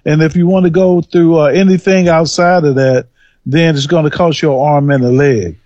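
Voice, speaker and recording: A man calling in to a radio talk show, speaking in a halting way and repeating words as he complains. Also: on the high side, fairly even intonation, darkish tone, no room sound. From United States. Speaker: caller. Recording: dull, dry phone line.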